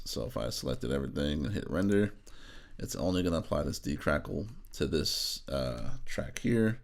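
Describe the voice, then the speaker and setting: A man narrating a software tutorial as an audio engineer, informal and thinking aloud as he demonstrates. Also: very deep voice, gravelly. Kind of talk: casual screen-recorded tutorial narration.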